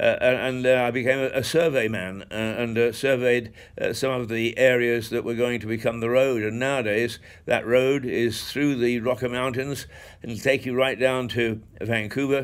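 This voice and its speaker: In a British accent, a man speaks at a moderate pace with monotone, flat intonation. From England. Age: 70s. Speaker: livestreamer telling life stories. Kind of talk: casual monologue. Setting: home, at his cottage. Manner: halting; humorous. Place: home room. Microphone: phone near.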